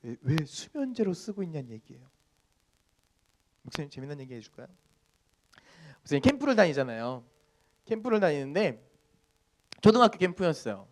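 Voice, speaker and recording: A male pastor preaching a youth sermon in an animated way, questioning the congregation and leading group Bible readings. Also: a little high, brisk, pauses often.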